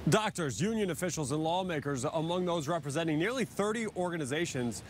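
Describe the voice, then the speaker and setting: Man reporting live outdoors, pitch a bit high, light traffic noise behind him. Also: lively intonation, brisk. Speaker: field news reporter. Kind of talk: scripted live news report.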